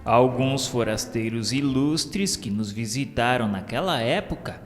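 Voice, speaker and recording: A Brazilian man narrates a radio serial with solemn, declamatory formality. His pitch is average and his pace is slow and measured. The voice rings with long reverb over clearly audible instrumental music. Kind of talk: solemn scripted audiobook-like narration of a literary text.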